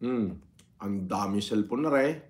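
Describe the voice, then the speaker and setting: A middle-aged man with a Filipino accent chatting casually on a livestream, greeting viewers in a drawn-out way with many pauses and interjections. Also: lowish voice, animated. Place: indoor room with framed painting. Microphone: phone propped at arm's length.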